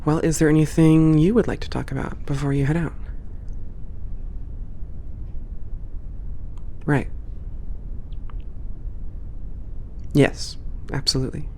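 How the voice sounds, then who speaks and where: A performer with a mid-pitched voice playing a calm, supportive space port boss in a one-sided roleplay, reassuring and softly professional. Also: quick pace, slight background noise, natural voice. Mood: accommodating. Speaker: ASMR roleplay voice actor.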